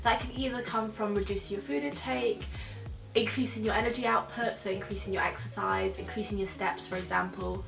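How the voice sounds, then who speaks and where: A young woman, a nutrition student, talking casually to camera while croaky and stuffed up from a cold, explaining things in a chatty way. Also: medium pitch, fairly even intonation, brisk, far from the mic. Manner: chatty and explanatory, many fillers like "so" and "yeah". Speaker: nutrition student reacting to videos. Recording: echoey room, voice a bit off-mic, soft music behind.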